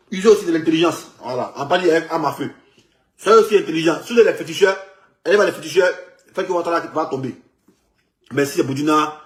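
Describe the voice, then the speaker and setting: A man with an Ivorian French accent speaks quickly in a slightly raised voice. He loops back over his own phrases and keeps the talk animated and rambling. His voice comes through an echoey room. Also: fairly high pitch. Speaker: man in a circulated video clip. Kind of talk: rambling street commentary.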